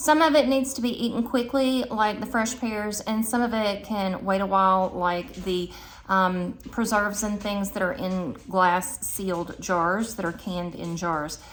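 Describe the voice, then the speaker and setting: A woman with a Southern US accent at medium pitch, fairly slow pace, ordinary pitch variation and hardly any pauses. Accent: Southern drawl. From US South. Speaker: YouTuber. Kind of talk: unboxing video.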